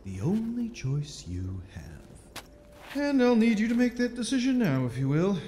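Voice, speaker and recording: An actress playing a cruelly amused, sinister mage inquisitor with a theatrical, drawling, condescending manner in an audio drama. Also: female voice, mid-range voice, sing-song, unhurried, dark tone, slight background noise. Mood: cruel amusement. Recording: long echoing reverb, music underneath.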